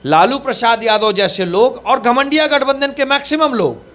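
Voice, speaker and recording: High-pitched male spokesperson, rhetorical, punchy, repeats key lines. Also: normal speed, fairly bright tone. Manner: emphatic, rhetorical, repeats phrases. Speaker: party spokesperson. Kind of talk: political interview.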